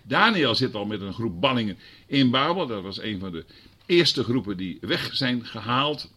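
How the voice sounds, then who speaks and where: Husky man preaching with lively swings. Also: medium pitch, moderate pace. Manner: swings from quiet explaining to loud fervent preaching; asks the congregation rhetorical questions. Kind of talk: sermon.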